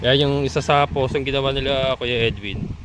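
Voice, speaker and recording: A man vlogging a casual walking tour of a land development outdoors, chatty and quick to laugh as he points things out to his viewers. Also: medium pitch. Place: outdoors at a rural lot by a road. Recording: outdoor phone recording with loud traffic noise.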